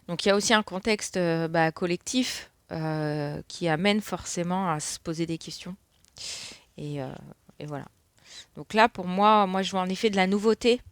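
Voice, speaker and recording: A woman's voice: on the low side, normal speed, clear, resonant tone, dry recording. A middle-aged woman giving a casual spoken card reading, rambling with many fillers. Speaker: tarot card reader.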